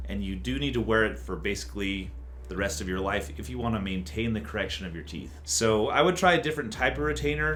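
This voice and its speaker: A man's voice: medium pitch, a bit bright. A man answering viewer questions as an orthodontist, in a casual, methodical, matter-of-fact and reassuring explanatory way.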